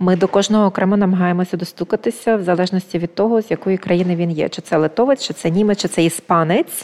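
The voice moves at a very fast pace with ordinary pitch variation. The sound is dry and close with no echo, over noticeable background noise. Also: woman, medium pitch for a woman. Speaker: diaspora advocacy organization head. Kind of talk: interview.

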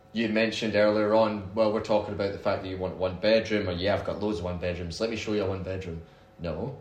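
Very fast speech from a man at a fairly low pitch, fairly even intonation, audible room echo and noticeable background noise. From Scotland, West Coast. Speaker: real estate agent, podcast co-host. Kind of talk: casual chat.

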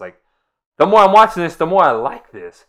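A man with an American accent speaks in an animated tone. The background is quiet. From Florida. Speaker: sports podcast host. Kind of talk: casual chat.

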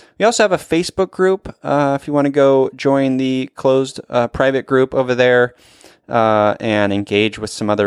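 A man with an American accent speaks at medium pitch and a moderate pace. The recording is very clean, with a silent background and a dry, close sound with no echo. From Southern California (Orange County). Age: 30s. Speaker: podcast host. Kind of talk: casual interview conversation; podcast promo read. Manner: enthusiastic.

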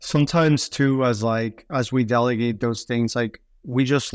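A man talks at a medium pitch. The recording is very clean, with a silent background. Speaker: podcast co-host. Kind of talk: casual interview.

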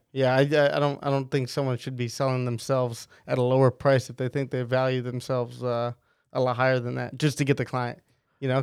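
A man talks with a New Jersey accent. His pitch is medium and his pace fairly quick. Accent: New Jersey American. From US Northeast, New Jersey. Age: 20s. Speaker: first-time home buyer, currency trader. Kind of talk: casual interview chat.

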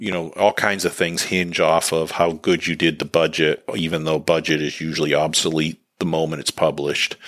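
Here is a man talking. He has a slight New England accent. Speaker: financial modeling consultant. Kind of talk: interview, casual technical chat. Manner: hesitant, many fillers and restarts.

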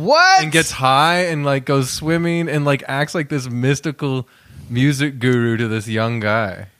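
A plain, everyday voice from a man, fairly high in pitch, with ordinary pitch variation and a fairly slow pace. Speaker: podcast host. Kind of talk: casual comedy chat.

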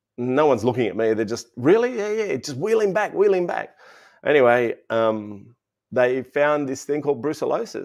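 A man with an Australian accent speaks with lively intonation over a quiet background. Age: 50s. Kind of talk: casual interview. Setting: video call. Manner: jovial, laughs often.

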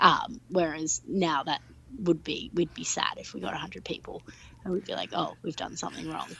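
The pace of this speech is moderate. It comes in an Australian accent. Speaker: professional wrestler. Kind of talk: interview. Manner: casual, hesitant with fillers.

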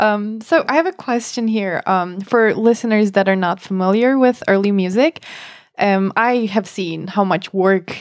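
Speaking at a fairly slow pace with a non-native accent, a woman uses a medium pitch and ordinary pitch variation, recorded with a dry, close sound and no echo. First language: not English. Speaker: podcast co-host and musician. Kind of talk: casual interview.

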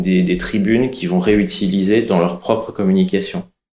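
A man speaks with fairly even intonation. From France. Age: 40s. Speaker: consultant and blogger on ageing. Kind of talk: casual interview. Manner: halting, many repetitions and fillers.

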